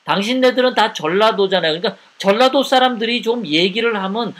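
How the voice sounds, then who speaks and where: A man with a high-pitched voice delivers live political commentary as host. He speaks in an indignant tone, hammering his points with repeated rhetorical questions. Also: a little fast, fairly bright tone.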